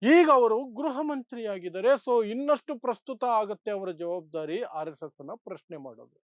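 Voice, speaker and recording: Male political commentator, high voice, emphatic and opinionated, repeats phrases for effect, dull close recording. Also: lively intonation, normal speed, no echo. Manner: emphatic, rhetorical repetition in short phrases. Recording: dull, dry lo-fi sound.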